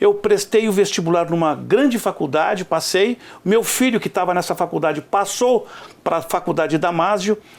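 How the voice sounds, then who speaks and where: Delivered at a moderate pace with ordinary pitch variation, the speech comes through on a very clean recording with a silent background. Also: man, high pitch for a man. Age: 60s. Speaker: lawyer and journalist. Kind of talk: TV interview.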